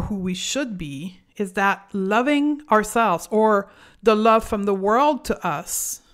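A woman with a French accent hosting a solo podcast, talking in an earnest, deliberate and reflective way. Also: medium pitch. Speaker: podcast host.

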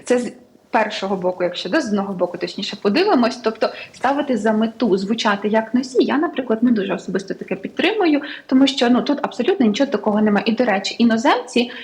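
A woman's voice: a little high, expressive, fast, a little mellow, poor audio. A young woman from Ukraine, an English tutor, chatting as a guest in a studio talk show with many fillers. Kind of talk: casual studio interview.

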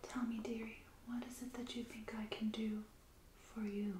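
Secretive witch shopkeeper, played by a woman: beguiling ASMR whisper, lightly high, roomy sound. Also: flat delivery, noisy background, close to an everyday voice. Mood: wary, secretive. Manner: slow, deliberate, hushed. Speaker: ASMR role-play performer. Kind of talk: soft-spoken whispered ASMR role play. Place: small indoor room, candlelit set.

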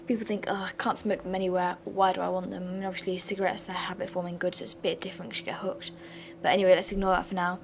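A young woman with a slightly raspy voice from a sore throat, talking through a revision lesson in a flat, bored-sounding way with chatty asides. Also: fairly low pitch, very fast, hardly any pauses, noisy background. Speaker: revision channel host. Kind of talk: casual revision lesson voice-over.

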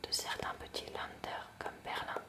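Whispering woman reading a lesson. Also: distant mic. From France. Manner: soft unvoiced whisper, slow careful reading. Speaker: ASMR creator. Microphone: close mic near hairbrush on a table.

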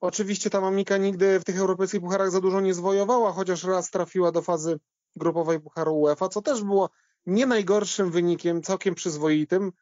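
A man with a moderately high voice discusses football history in a conversational, somewhat hesitant way. The sound is dry and close, with a slightly muffled, band-limited top end. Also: fairly even intonation, a little fast, a little mellow, no echo.

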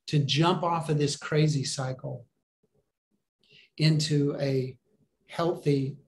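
A man's voice: a little high, a little mellow. Earnest man preaching over a video call. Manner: earnest, encouraging, asks the listeners questions. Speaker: pastor. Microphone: video call webcam.

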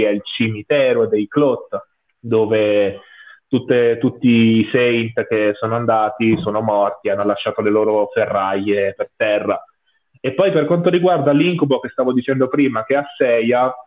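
Young man on a tinny, phone-like call. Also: medium pitch. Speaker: guest panelist. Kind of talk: casual episode discussion. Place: small room at home. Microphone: headset on video call.

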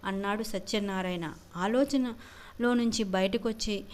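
A woman telling an emotional family story in a steady, plain narrating voice. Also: mid-range voice, measured pace.

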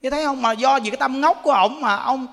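A man's voice: very high voice, quick pace, creaky, a bit bright. A man giving a Buddhist sermon and telling a story, often asking the audience questions. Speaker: Buddhist monk teaching. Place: temple hall. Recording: echoey hall.

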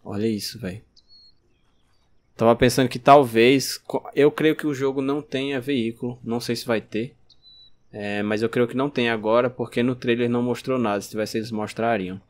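At normal speed and in a mid-range voice, a man with a Brazilian accent streams a game with casual commentary. He's excitable, letting out yelps and scolding the zombies as he goes.

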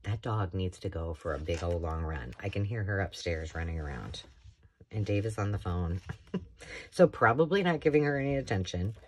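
A woman's voice: a bass voice, animated, normal speed, slight background noise. A woman hosting a casual show-and-tell of thrifted books, chatty and rambling with enthusiastic asides, filmed indoors at a craft table. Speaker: craft channel host.

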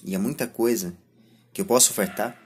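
A man in his twenties with a Brazilian accent and a husky voice, speaking a reflective monologue to camera as a vlogger, halting between short phrases. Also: on the low side, a little hiss or hum. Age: 20s. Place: small indoor room lined with bookshelves. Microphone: phone or camera at arm's length.

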